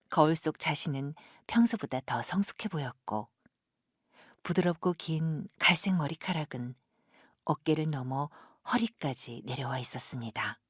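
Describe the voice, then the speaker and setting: Female narrator for audio drama: deep register, breathy texture, gentle scripted storytelling. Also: no room sound, clean studio sound. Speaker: narrator, professional voice actor.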